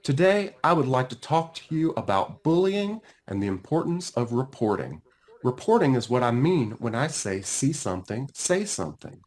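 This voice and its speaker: Kindly storybook school counselor, read by a man: reassuring, measured, encouraging, very varied pitch. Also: big pitch swings, a little mellow, lightly acted. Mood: instructive.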